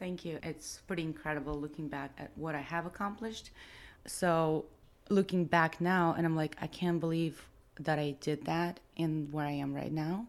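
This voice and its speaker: A woman with a Russian accent speaks at a very deep, low pitch and a moderate pace. Her intonation is fairly even, and the recording is very clean with a silent background. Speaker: ultra runner and business owner. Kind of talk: casual interview, telling life story.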